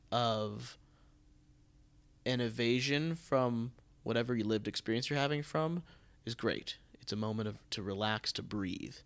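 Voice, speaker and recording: A man hosting a casual interview, speaking haltingly and often rephrasing his questions. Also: medium pitch, gravelly, fairly bright tone. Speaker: podcast host, theatre producer.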